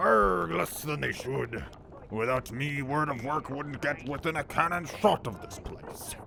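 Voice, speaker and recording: A man uses a put-on character voice at medium pitch. He speaks at a fairly slow pace over clear background noise. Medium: audio drama.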